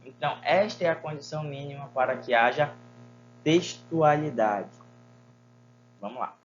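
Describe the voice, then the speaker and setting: A man's voice: fairly high pitch, normal speed, highs cut off, a little hiss or hum. A man teaching a Portuguese lesson, asking his students rhetorical questions and using many fillers. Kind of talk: recorded online lesson.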